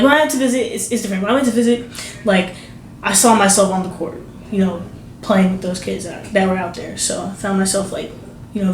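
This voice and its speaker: A young woman from New Jersey talks through an interview, full of fillers and false starts. Her voice has a middle pitch. It carries some room echo with a faint hiss underneath. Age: young adult. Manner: rambling, many fillers and restarts. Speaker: basketball recruit. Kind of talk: casual interview.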